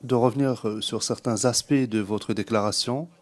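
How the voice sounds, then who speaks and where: A man interpreting formally in a court hearing, speaking carefully with pauses. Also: medium pitch, steady tone.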